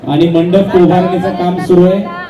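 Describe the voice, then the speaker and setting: A man making firm, pleading announcements to a protest crowd through a loudspeaker. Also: high-pitched, little pitch movement, normal speed, muffled recording. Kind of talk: public address announcements to a crowd. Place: outdoor protest ground. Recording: echoey loudspeaker heard from far off, loud crowd. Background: large crowd.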